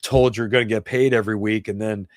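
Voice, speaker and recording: A man's voice: lowish voice, fairly even intonation, fast talker, dry recording. A man in his fifties from New Jersey, chatting casually and rambling with viewers on his livestream, chuckling now and then. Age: 50s. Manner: rambling, laid-back, chuckles often. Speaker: livestream host and guitarist.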